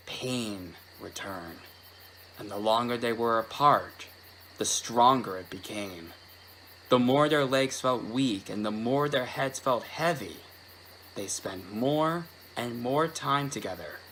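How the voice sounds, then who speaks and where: A man reading a scripted horror story in a hushed, creeping, dramatic and deliberate manner. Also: medium pitch, lively intonation, low-quality recording. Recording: faint background noise.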